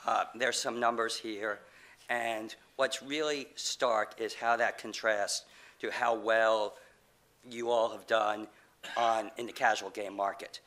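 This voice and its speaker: Low, bright-toned man with a cold. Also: fairly even intonation. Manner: halting, many restarts and fillers. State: getting over a cold. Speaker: conference speaker, game company CEO. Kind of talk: conference presentation.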